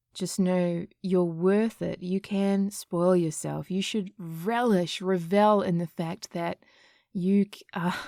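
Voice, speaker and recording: Soft-spoken and gentle, a woman with a New Zealand accent talks at a very slow pace with a soothing, dark, mellow tone at a medium pitch. Her intonation is monotone and flat, and the recording is very clean with a silent background. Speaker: ASMR creator. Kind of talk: comforting ASMR monologue. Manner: gentle and soothing.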